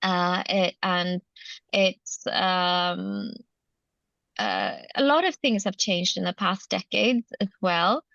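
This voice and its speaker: A woman explains her ideas in an interview, reflective and full of small hesitations. Her voice has a gravelly fry to it. The sound is dry and a little muffled, with little of the room in it. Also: on the low side, animated, slow pace, fairly bright tone, no echo. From Sweden. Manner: thoughtful, many hesitations. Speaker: guest anthropologist. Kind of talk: academic interview answer.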